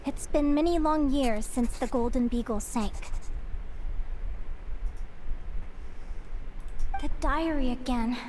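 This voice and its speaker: A woman's voice: high voice, moderate pace, dark tone, slight background noise, close to an everyday voice, rough recording. A woman voicing a curious, earnest young adventurer in a video game, talking in a wistful, wondering way. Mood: melancholy.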